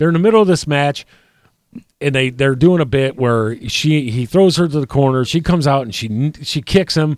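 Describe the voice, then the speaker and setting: With a plain, everyday voice, a man speaks at a fairly high pitch with ordinary pitch variation. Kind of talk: radio dj patter: live internet radio banter with crude jokes, song intros and station IDs. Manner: loud, fast, profane and joking, laughing mid-sentence, hyped up when plugging songs; casual, bantering, riffing with co-hosts and callers.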